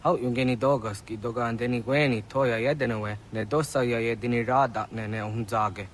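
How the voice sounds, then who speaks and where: An actor playing a grave, earnest Native American villager in a video game cutscene. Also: male voice, medium pitch, fairly even intonation, fast, slight background noise, close to an everyday voice. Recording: music behind the dialogue.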